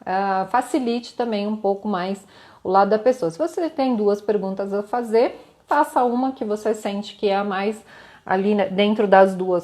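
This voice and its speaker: A woman instructor in communication streams a lesson live, speaking in a slightly mellow, mid-range voice with a Brazilian Portuguese accent. She talks casually, tacks on little questions and light laughs, and responds to what viewers write.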